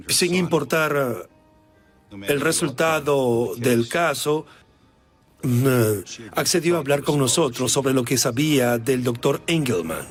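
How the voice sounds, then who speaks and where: A man, an investigator, recounting a case in a documentary interview, reflective and pausing with fillers. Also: medium pitch.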